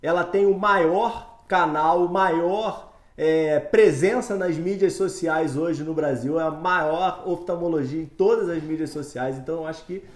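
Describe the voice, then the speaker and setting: Brazilian doc hosting a chat show, upbeat and rambly, bit higher voice, roomy echo. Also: male voice, unhurried, few pauses. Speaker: host, ophthalmologist. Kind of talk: interview podcast.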